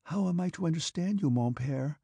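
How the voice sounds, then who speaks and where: A man reading the part of a timid young noblewoman, an anxious daughter speaking softly and hesitantly. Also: on the high side, lively intonation, fairly quick, vocal fry, slightly rough, no room sound, voice pushed up, exaggerated voice. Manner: soft, hesitant, near whisper. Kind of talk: audiobook character reading.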